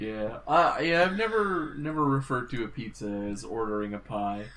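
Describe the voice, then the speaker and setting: A man at medium pitch and moderate pace with lively intonation, amid noticeable background noise and audible room echo. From California. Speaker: podcast co-host. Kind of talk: casual chat. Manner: laid-back.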